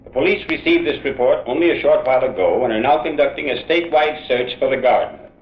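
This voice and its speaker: An actor playing a formal, brisk newsreader giving a bulletin over a radio set in an old-time radio drama. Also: male voice, medium pitch, expressive. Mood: formal, urgent. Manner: formal, declarative. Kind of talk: 1940s-style radio news bulletin acting. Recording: echoey, muffled, noisy old radio.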